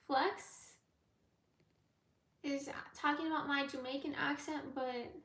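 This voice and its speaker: A woman who reads tarot, chatting with viewers in a live question-and-answer stream. She rambles in a laid-back way and fills pauses with ums and likes. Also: high voice, fairly even intonation, a bit bright. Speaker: tarot reader and YouTuber. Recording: echoey room.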